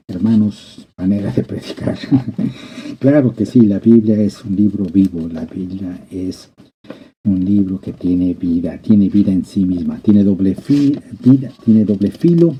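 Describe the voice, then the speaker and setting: A man's voice: fairly low pitch, warm tone, breathy edge. A male pastor preaching a fervent sermon, often repeating and restarting phrases and calling out to the congregation. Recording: dull lo-fi sermon recording.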